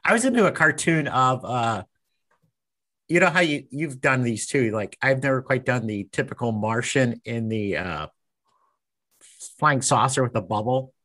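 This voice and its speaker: A man's voice: mid-range voice, lively intonation, normal speed, pushed and bright. A man hosting a cartoonist podcast in casual chat, with dry, teasing humor.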